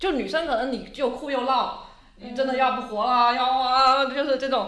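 A woman with a slight Sichuan accent speaks at a moderate pace in a high pitch. Noticeable background noise and audible room echo fill the recording. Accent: Sichuan-accented Mandarin, slight. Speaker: screenwriter. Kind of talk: casual chat.

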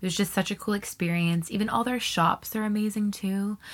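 A woman talks at a fairly quick pace, somewhat breathy, with fairly even intonation. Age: 30s. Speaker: podcast host. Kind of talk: casual solo monologue.

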